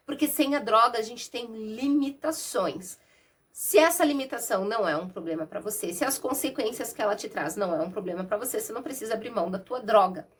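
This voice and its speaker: A Brazilian woman with a cold, talking nasally and conversationally as a therapist explaining things to her viewers without an external microphone. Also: on the high side. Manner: warm, conversational, uses many diminutives and asides. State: has a cold. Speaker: therapist and mentor. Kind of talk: casual explainer talk to camera.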